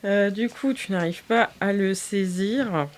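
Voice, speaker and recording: A woman's voice: mid-range voice, a little slow. Woman game master, improvising narration. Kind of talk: improvised narration of a tabletop role-playing game.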